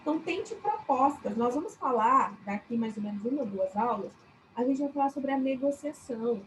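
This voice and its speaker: A high-voiced woman with a Brazilian Portuguese accent teaches a customer service class at normal speed, animated and chatty, calling her students "gente," turning to them often and acting out little example scenes. The audio is poor, with faint noise underneath.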